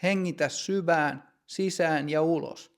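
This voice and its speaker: A man voicing a calm, businesslike doctor in a read-aloud storybook lesson, asking brisk questions. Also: a little high, lightly acted.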